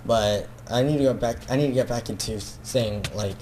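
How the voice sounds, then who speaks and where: A man's voice: medium pitch, fairly quick, a little mellow, a little hiss or hum. A young man with a Filipino accent, rambling self-consciously in a casual video, full of fillers and restarts. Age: teenager. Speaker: gaming video creator.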